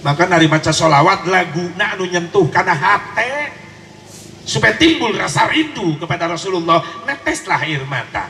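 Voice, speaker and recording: A man preaching a sermon with a Sundanese accent, telling the story dramatically and swinging between loud passages and soft ones. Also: sits high, sing-song, normal speed, gravelly, slight background noise. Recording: echoey hall with long reverb.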